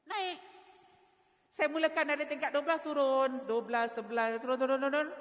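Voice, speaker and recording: A woman religious teacher, giving a women's lecture in a mosque and telling stories with lively sound mimicry. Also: high-pitched, moderate pace. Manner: animated storytelling, mimics sounds. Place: mosque hall. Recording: reverberant mosque hall.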